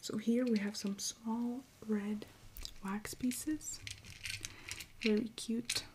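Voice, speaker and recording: A woman playing a friendly, patient Christmas elf helper in an ASMR roleplay, speaking softly and breathily, often in a whisper. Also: fairly high pitch, steady tone, a little hiss or hum. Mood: calm, instructive. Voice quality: soft, breathy, frequently whispering. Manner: gentle, encouraging, unhurried. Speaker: ASMR performer.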